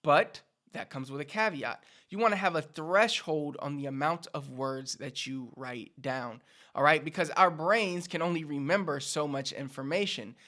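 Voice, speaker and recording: A Puerto Rican man with a Puerto Rican accent gives an upbeat Spanish lesson straight to the viewer. His voice sits a little high and rings bright and forceful. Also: normal speed. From Puerto Rico. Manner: upbeat, instructive, addresses viewers directly. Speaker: Spanish teacher. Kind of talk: direct-to-camera language lesson.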